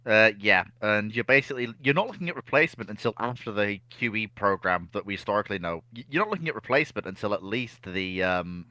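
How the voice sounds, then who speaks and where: A man's voice: lowish voice, lively intonation, fast talker, few pauses, bright, forceful tone, dry recording. A man in a casual discussion, giving opinions emphatically and often restarting the openings of his sentences.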